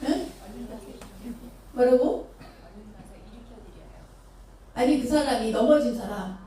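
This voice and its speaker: A Buddhist nun from Chungcheong tells a story to her temple congregation in a fairly high, mellow voice. She keeps asking the listeners questions. She was recorded from across a very echoey hall, with faint noise underneath. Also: slow, recorded from a distance. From Chungcheong Province, Korea. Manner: lively storytelling, asks the audience questions. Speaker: Buddhist nun giving a dharma talk. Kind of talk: storytelling sermon. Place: temple dharma hall with an audience.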